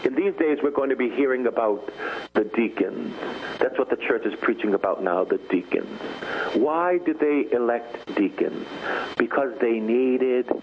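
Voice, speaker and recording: A man's voice: medium pitch, expressive, unhurried. A man preaching and praying in a charismatic Christian style, emphatic and repeating phrases for effect. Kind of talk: charismatic Christian sermon and prayer. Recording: thin phone-like band, loud noise.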